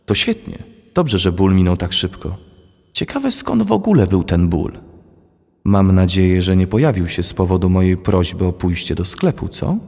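A man reading a storybook, voicing a calm, wise father who gently lectures his daughter. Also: low-pitched, normal speed, creaky, breathy edge, heavily acted. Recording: long hall reverb.

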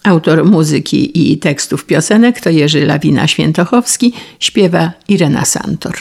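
A woman radio presenter calmly announcing the next song. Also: low voice, normal speed, gravelly.

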